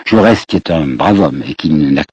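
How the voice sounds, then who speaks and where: Deep, husky male lecturer, storytelling, direct to listeners, dry muffled old radio sound. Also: animated, moderate pace, a little mellow, no echo. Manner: storytelling, addresses listeners directly, repeats words as he searches. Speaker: history lecturer. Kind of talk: spoken history lecture. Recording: dull lo-fi old radio recording.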